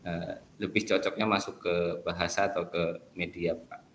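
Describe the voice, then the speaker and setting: A man's voice: sits low, flat delivery, normal speed, fairly bright tone, a little hiss or hum. Hesitant young man in an echoey room. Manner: hesitant, with frequent fillers. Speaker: student presenting his group's results. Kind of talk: answering in an online class discussion.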